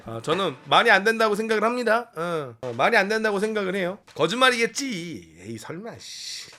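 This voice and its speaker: A man runs a military commentary channel, ranting and cursing in exasperation. His voice sits fairly high and bright, and it leaps around in lively swings. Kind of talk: casual commentary.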